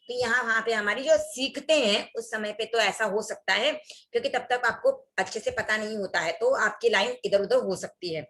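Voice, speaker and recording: A woman's voice: medium pitch, a bit bright. A woman teaching an online religious workshop, explaining recitation mistakes and reciting scripture passages as examples.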